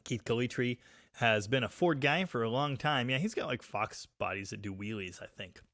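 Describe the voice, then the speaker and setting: A man hosting a live stream, chatting casually and reading viewer comments, with a very loud voice recorded on a phone. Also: mid-range voice, moderate pace, no echo, clean studio sound. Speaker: livestream host reading chat. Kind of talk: casual live chat about cars. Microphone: phone microphone.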